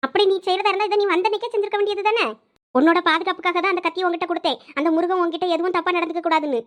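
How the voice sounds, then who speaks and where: A woman's voice: very high voice, fairly even intonation, very fast. A woman voicing an older female servant in a cartoon, firm and reassuring, with a Thoothukudi Tamil accent.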